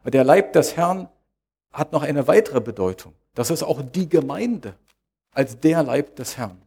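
A male pastor delivering a sermon in a measured, deliberate way. He circles back on key phrases and poses rhetorical questions. His voice has a gravelly, husky grain. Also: on the high side, animated, darkish tone.

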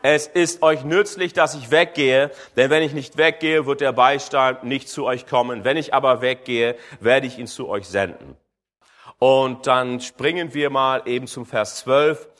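A man's voice: medium pitch, a little slow, a bit bright. A man preaching a sermon, addressing the congregation directly and calling for amens.

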